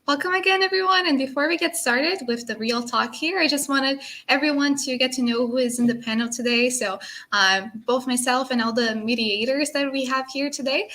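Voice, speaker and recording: A woman hosts an online panel, welcoming the audience and introducing each guest in turn. Her voice sits fairly high, and she talks over a video call. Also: brisk, pushed and bright. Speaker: host.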